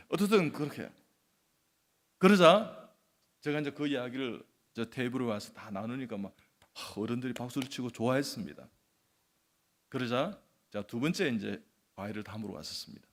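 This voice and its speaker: An older man from the region, a church elder, telling a story during a sermon and acting out the people in it. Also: fairly low pitch. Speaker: church elder and guest preacher. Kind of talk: sermon testimony.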